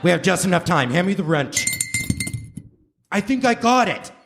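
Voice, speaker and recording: A man's voice: high voice, big pitch swings, moderate pace, creaky, voice pushed up, exaggerated voice. A man playing a desperate, earnest inventor in a hammy live radio play. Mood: hurried, earnest. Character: desperate, earnest male inventor racing against time. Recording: noisy live stage recording.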